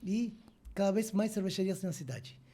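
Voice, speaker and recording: This man speaks with an Argentine accent, stopping often as he searches for words. His voice sits high for a man, with a dark, mellow tone. He talks as a guest in a podcast interview. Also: animated. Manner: halting, searching for words, frequent pauses. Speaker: brewery owner guest.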